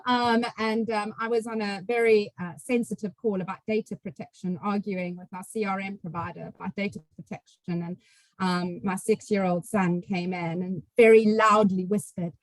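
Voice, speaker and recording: A woman's voice: medium pitch, steady tone, moderate pace, no echo, poor audio. A woman with a strong South African accent, a finance chief telling a funny story on a video call. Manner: storytelling, laughs through anecdotes. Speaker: CFO, panelist.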